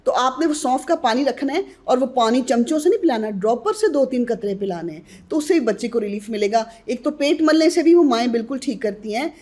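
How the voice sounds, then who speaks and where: A woman's voice: on the high side, lively intonation, few pauses, a little mellow. A woman who is a guest on a podcast interview, earnestly advising mothers on newborn care and addressing them directly.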